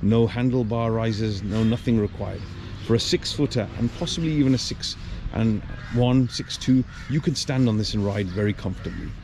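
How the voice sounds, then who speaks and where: A man's voice: lowish voice, moderate pace. A man giving a casual spoken motorcycle review, rambling with many ums and restarts as he stands beside the bike. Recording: loud outdoor noise behind the voice.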